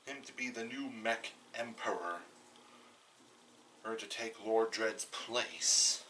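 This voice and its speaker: A man's voice: lowish voice, slow, pushed and bright. A man voicing a matter-of-fact planner in an amateur fan cartoon, explaining things hesitantly and repeating words. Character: matter-of-fact male planner explaining film casting decisions. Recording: slightly distant mic, faint background noise.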